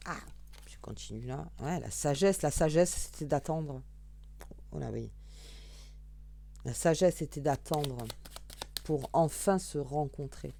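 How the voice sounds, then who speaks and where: Slow and often pausing, a tarot reader with a low, warm, creaky voice chats through a casual card reading, shuffling and drawing as she thinks aloud with fillers and restarts, over slight background noise.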